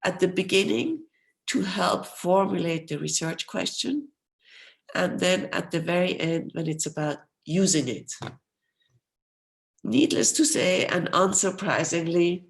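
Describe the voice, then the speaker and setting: A woman professor giving an academic research lecture over a video call in an explanatory, steady way, losing her voice and coughing now and then. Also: lowish voice, measured pace, creaky. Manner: explanatory, steady, apologetic when interrupted.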